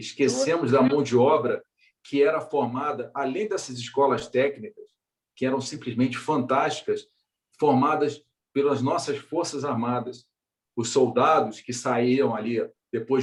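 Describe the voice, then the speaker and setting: Using a normal speaking voice, a man talks at a fairly slow pace in a medium pitch. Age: 50s. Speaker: guest speaker. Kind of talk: Q&A answer at a club meeting.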